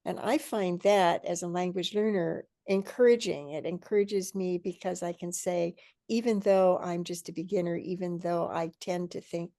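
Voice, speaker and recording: An older woman explaining things thoughtfully on an online panel, in a measured, emphatic way, as a teacher educator. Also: fairly low pitch, vocal fry, mellow, dry recording, clean studio sound. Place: indoor room at home or office, video call.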